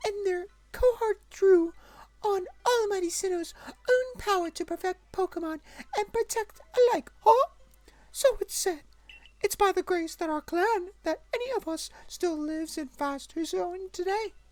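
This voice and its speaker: Moderate pace and extremely high pitch in a put-on character voice. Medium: actual play. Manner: earnest, measured.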